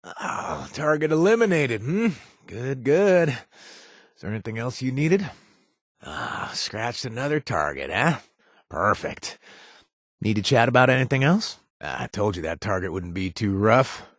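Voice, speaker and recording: An actor voicing an easygoing, money-minded bartender ally in a video game, chatty, with lots of little chuckles and filler words. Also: male voice, mid-range voice, very animated, unhurried, dry recording, studio quality. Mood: friendly. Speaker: game companion character. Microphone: close studio mic, dry.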